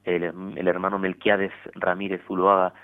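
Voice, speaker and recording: Deep-voiced priest on a tinny radio line. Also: male voice, monotone. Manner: measured, explanatory, with frequent tag questions. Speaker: priest guest on religious radio. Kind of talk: radio interview.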